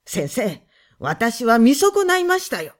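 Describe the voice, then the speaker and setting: A woman voicing a gruff middle-aged male tavern keeper who speaks in coarse, rough phrases and sounds menacing. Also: on the high side, huge pitch swings, slow pace, full character voice. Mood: scornful threatening. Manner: rough, coarse, slurred working-class speech.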